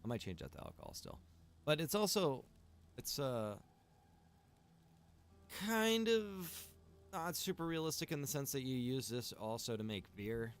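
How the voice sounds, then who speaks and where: A man chatting casually while streaming a survival game, rambling in a relaxed way to his viewers. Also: mid-range voice, a little slow, pauses often, faint music behind. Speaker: streamer and server owner. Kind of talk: casual gaming stream chat.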